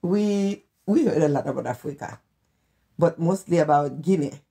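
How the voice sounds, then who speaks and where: Gravelly-voiced Haitian woman. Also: deep voice, lively intonation, moderate pace, warm tone. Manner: laughs while telling anecdotes, plain broken English. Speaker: guest. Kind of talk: casual conversation, storytelling.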